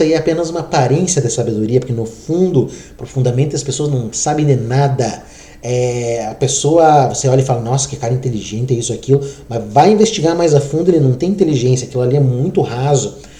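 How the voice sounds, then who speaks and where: With noticeable background noise and audible room echo, a man talks at a fairly quick pace in a fairly high pitch with ordinary pitch variation. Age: 30s. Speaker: philosophy teacher. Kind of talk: lecture. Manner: fast; conversational.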